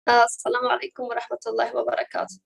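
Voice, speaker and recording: Female student questioner, twenties, from Afghanistan; high voice, earnest and searching, unscripted. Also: monotone, racing, vocal fry. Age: 20s. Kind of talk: spontaneous spoken question.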